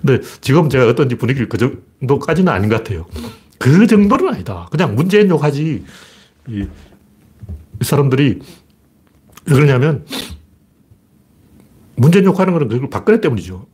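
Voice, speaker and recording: A man's voice: mid-range voice, big pitch swings, a little fast, pauses often, a little mellow, husky. A man hosting a political talk show, telling stories in a blunt, rambling way. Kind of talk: casual political monologue.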